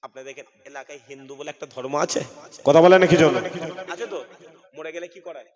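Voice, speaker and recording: A man's voice: a little high, a little fast, big-room sound. A man preaching a fiery sermon under a tent, calling out questions to the crowd. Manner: calls out to the audience, asks questions and shouts. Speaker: preacher at a religious gathering. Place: tented outdoor gathering.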